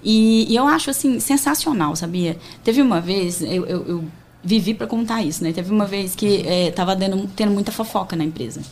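A woman entrepreneur, a talk show guest, telling stories in an animated, emphatic way. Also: medium pitch, a little fast, slight background noise. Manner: animated storyteller, lively and emphatic. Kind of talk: casual chat.

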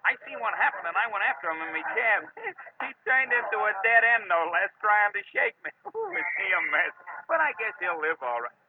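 A man's voice: high voice, very animated, brisk. A man playing a chatty, helpful American working-class cab driver in 1940s radio drama, colloquial and reassuring. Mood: chatty, amused. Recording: very noisy, muffled old radio recording.

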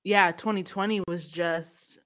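A woman's voice: on the low side, fairly even intonation, unhurried, a bit bright. A woman, chatting casually as a podcast guest, laughing often and trailing off mid-sentence. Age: 30s. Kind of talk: casual chat.

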